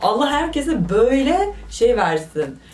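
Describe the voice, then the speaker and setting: A young woman vlogger reading viewer stories with animated, joking, exclamatory commentary. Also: a little high, measured pace, far from the mic. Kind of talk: casual comic commentary. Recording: roomy, voice from off the mic.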